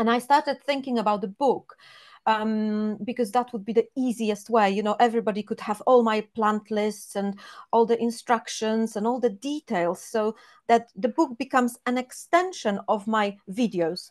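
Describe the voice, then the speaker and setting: Against a quiet background, a woman with a Polish accent talks at a fairly high pitch with ordinary pitch variation. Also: moderate pace. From Poland. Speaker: gardening author and video creator. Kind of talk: interview. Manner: hesitant, many fillers.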